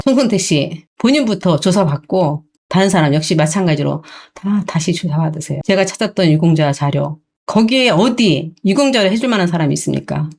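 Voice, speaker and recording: A woman's voice: lowish voice, darkish tone. A woman hosting her own channel, delivering an opinion commentary monologue in an indignant tone full of rhetorical questions. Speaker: channel host.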